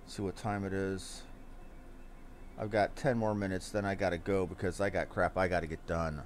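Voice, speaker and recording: A man's voice: low-pitched, flat delivery, moderate pace, slight background noise. A man giving casual commentary as he streams a game, sometimes muttering to himself.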